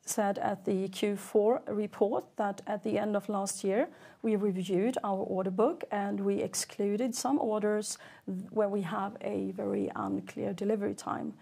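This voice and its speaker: A woman chief financial officer presenting figures on an earnings call in a businesslike, measured way. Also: mid-range voice, flat delivery, gravelly, mellow.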